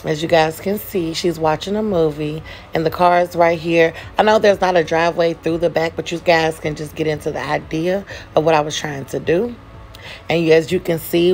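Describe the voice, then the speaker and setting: A woman's voice: deep voice, normal speed, a little hiss or hum. A woman hosting a gaming channel, chatting casually through a voice-over tour of a game build and talking straight to her viewers. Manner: relaxed, chatty, addresses viewers as "you guys".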